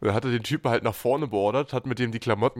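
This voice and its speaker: A man speaks with a Saxon accent and ordinary pitch variation. The recording is very clean, with a silent background. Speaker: metal podcast co-host. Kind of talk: casual chat.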